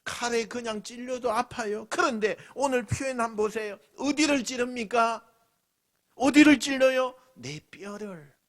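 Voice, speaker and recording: A man with a Busan accent preaching a sermon as pastor, dramatic, swinging from loud lines to whispers and acting out mocking voices. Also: extremely high pitch, unhurried. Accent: Busan Gyeongsang dialect. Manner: acts out mocking voices of scoffers.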